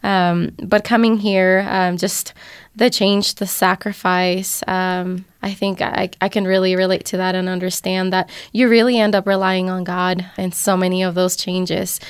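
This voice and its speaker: Smooth, flat-toned woman from Venezuela. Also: fairly low pitch, dry recording, clean studio sound. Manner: reflective, halting with many fillers. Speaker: panel guest. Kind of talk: casual faith discussion.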